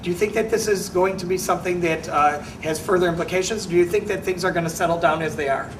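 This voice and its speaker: A man's voice: high-pitched, quick pace. Rambling male host, distant mic. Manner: rambling, many "uh" fillers. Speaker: talk show host. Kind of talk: interview questions. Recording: distant mic with faint noise.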